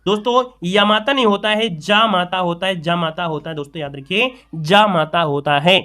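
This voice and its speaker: A man with a high, bright voice teaches spelling for competitive exams. He goes through word after word, saying each one several times and calling his viewers friends as he corrects their mistakes. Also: moderate pace. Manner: repeats words, addresses viewers as friends. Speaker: exam tutor. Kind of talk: spelling lesson for exam students.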